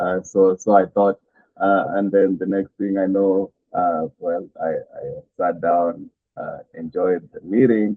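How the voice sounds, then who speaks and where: A man with a strong Kenyan accent talks at a very slow pace. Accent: thick Kenyan. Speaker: pastor and leadership coach. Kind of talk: interview. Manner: halting, many fillers.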